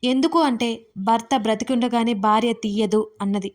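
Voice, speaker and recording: Frightened young bride, voiced by a woman narrator, tearful, pleading, stubborn, high. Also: fairly even intonation, moderate pace, lightly acted.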